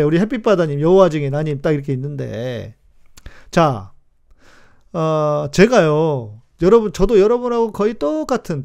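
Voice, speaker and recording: A middle-aged man pastor talks to his live-stream viewers in a somewhat high, gravelly voice. He is chatty and emphatic, hammering key words again and again and answering comments as they come in. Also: darkish tone. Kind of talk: live-streamed teaching talk.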